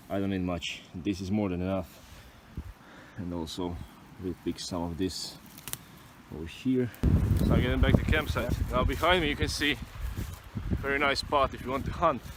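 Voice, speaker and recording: With a Croatian accent, a man speaks at a moderate pace with very wide pitch swings and long, frequent pauses. Noticeable background noise is present. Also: fairly low pitch for a man. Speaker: bushcraft vlogger. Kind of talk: outdoor vlog narration. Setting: outdoors. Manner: loud.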